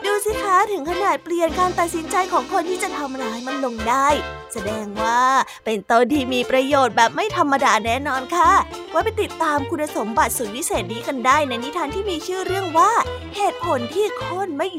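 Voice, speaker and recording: Young woman, high voice, storybook narration for kids, sweet and expressive, kids' music playing. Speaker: children's storytelling host. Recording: children's music behind.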